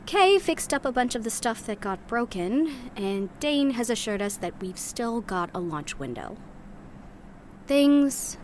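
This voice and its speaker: A woman's voice: on the high side, fairly bright tone, slight background noise, exaggerated voice. An actress playing a blunt, irritated young rebel woman in an audio drama, recording a log in a dry, sardonic way.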